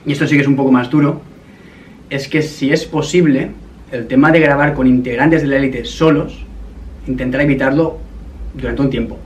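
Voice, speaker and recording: A man's voice: mid-range voice, steady tone, normal speed, a little mellow. A man in his twenties with an accent from Spain, explaining himself in casual, serious conversation and repeating phrases. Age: 20s. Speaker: YouTuber making a prank call. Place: indoor gaming room at a desk. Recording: slightly distant mic, faint noise.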